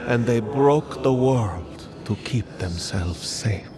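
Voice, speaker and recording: An actor playing a stern, mournful ghost of an ancient drowned people in a fantasy game, grave and deliberate. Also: male voice, medium pitch, expressive, background noise. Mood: stern, probing.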